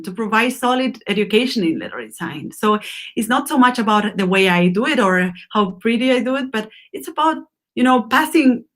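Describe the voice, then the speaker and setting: Argentine-born woman teaching a lettering class. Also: a little high. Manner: unscripted, many fillers and restarts. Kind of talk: class lecture.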